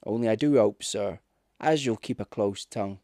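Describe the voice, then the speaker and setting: A man's voice: fairly low pitch, normal speed, dark tone, no room sound, clean studio sound, lightly acted. A man voicing a superstitious, deferential country innkeeper in a ghost story, speaking in folksy dialect. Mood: anxious pleading. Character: rustic English innkeeper, superstitious, deferential and reproachful. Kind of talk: ghost story audiobook character.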